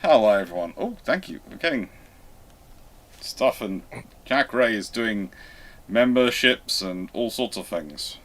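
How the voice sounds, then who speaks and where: A man with a fairly low voice hosts a casual live stream. He rambles chattily as he takes questions and talks them through. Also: expressive, measured pace, long pauses, a bit bright.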